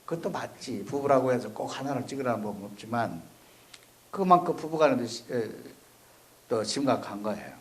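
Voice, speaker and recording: A middle-pitched male monk delivering a relaxed, conversational sermon. He talks in a folksy way and often breaks off with a questioning "eh?" to draw his listeners in. His pitch sits at an ordinary level. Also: brisk. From Chungcheong, South Korea. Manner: folksy, keeps checking in with the audience with "eh?". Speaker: Buddhist monk giving a dharma talk. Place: temple or university dharma hall.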